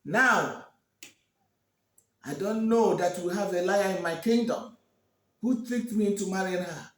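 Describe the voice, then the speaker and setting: A man doing a booming proud king. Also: measured pace, a bit bright, echoey room. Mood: suspicious. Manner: commanding, booming. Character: proud angry king of a village kingdom.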